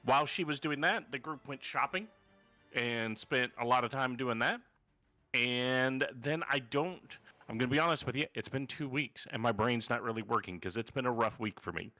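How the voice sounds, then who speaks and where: A man's voice: medium pitch, normal speed, pushed and bright. A man running a tabletop game as dungeon master, recapping the last session in a loose, rambling way, full of fillers and self-corrections. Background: faint fantasy background music.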